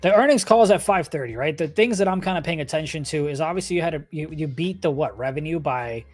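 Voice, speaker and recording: A man's voice: on the high side, fast. A man hosting a livestream, giving casual, conversational chart commentary and talking directly to his viewers. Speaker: livestream host and stock trader. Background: background music.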